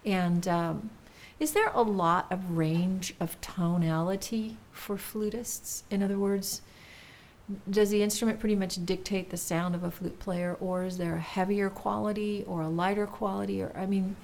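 A woman's voice: mid-range voice, fairly even intonation, moderate pace, a little mellow, a little hiss or hum. A woman from California hosting a radio show, chatting with guests in a loose, filler-heavy way. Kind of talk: casual interview and promo.

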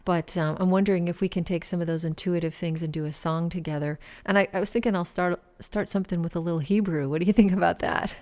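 A woman's voice: fairly low pitch, steady tone, fast talker, few pauses, darkish tone. A woman hosting a radio show and interviewing a musician guest in a barn, talking in a chatty way with frequent ums and restarts.

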